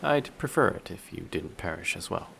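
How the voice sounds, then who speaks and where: A man voicing a flirty, possessive sea monster in human guise for an intimate roleplay audio drama, measured and politely menacing. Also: deep voice, animated, creaky, bright, forceful tone, slight background noise, full character voice. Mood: calmly menacing.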